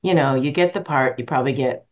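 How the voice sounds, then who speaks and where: Chatty low-voiced woman, dull sound. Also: quick pace. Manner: chatty, rambling with fillers. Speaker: podcast guest. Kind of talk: casual chat.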